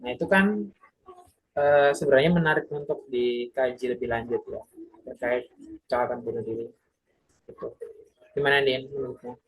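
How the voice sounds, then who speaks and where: A young adult presenter giving a casual explanatory talk to a community group, pausing often with filler sounds and correcting themselves mid-sentence. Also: medium pitch, slight background noise, low-quality recording. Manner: hesitant, many filler sounds and self-corrections.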